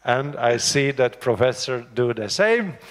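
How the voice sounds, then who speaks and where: A man's voice: medium pitch, lively intonation, measured pace. A man hosting a conference, giving housekeeping notes and introducing a speaker, hesitant with many fillers and light humor. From Latvia. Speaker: conference host. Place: conference room. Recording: reverberant conference hall.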